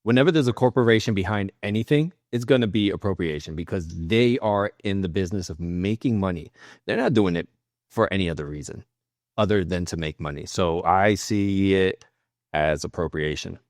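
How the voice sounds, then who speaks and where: A man talking informally on a podcast panel, halting now and then as he gathers his thoughts. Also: low-pitched, no room sound, studio quality. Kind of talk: casual panel discussion with personal anecdotes.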